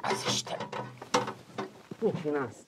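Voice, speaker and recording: A man's voice: fairly high pitch, wildly swooping pitch. A man helping an electrician, swearing crudely and scolding his coworker. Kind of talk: amateur workplace banter. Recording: noisy amateur video recording.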